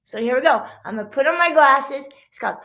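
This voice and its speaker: A woman's voice: high-pitched, lively intonation, fast talker, fairly bright tone. A middle-aged woman chatting informally as an author introducing a storybook read-aloud. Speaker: children's book author reading aloud.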